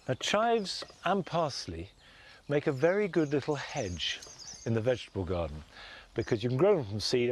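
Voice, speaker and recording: A man presenting a gardening show outdoors in a garden, talking gently and with measured enthusiasm. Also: mid-range voice. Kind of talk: relaxed instructional garden presenting.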